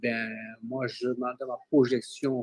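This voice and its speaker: A very slow male voice, dry and close with no echo. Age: 60s. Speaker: interviewee. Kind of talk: interview conversation.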